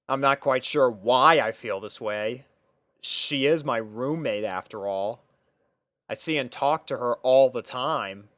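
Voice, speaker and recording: A man narrating a first-person story from a script in an expressive storytelling manner. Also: medium pitch, no echo.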